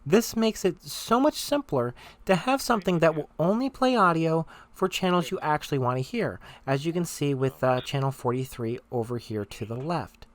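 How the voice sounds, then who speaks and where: The dry recording captures a presenter with a mid-range voice explaining software step by step. Their manner mixes instruction with casual conversation.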